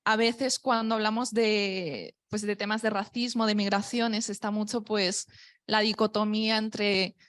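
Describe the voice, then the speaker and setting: Woman poet, panel speaker, medium pitch, nervous and halting, filler-heavy. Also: flat delivery, fairly bright tone. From Spain. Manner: nervous, hesitant, many fillers. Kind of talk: unscripted panel talk. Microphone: microphone at a public talk.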